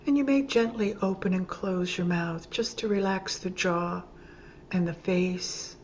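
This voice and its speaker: A woman teaching yoga nidra, leading a guided meditation calmly and gently, in short phrases with pauses between them. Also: lowish voice. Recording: dull lo-fi sound with clear background noise.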